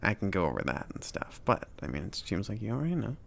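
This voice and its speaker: A man playing a friendly, awkward mage who runs a magic shop, rambling and reassuring in a soft-spoken ASMR roleplay. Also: fairly low pitch, very animated, fast talker, creaky, full character voice. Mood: helpful, rambling. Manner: rambling, hesitant, reassuring, with nervous chuckles.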